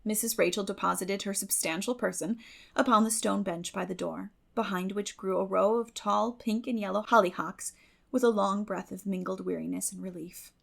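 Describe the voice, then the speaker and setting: A woman's voice: mid-range voice, fairly even intonation, moderate pace, gravelly, fairly bright tone. A woman reading scripted narration from a classic novel as an audiobook narrator.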